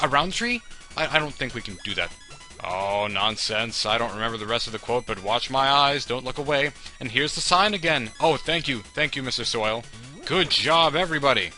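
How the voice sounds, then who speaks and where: A man's voice: medium pitch, bright, forceful tone. A man giving humorous commentary on a video game in a wry, sarcastic manner with exaggerated reactions. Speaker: let's play host.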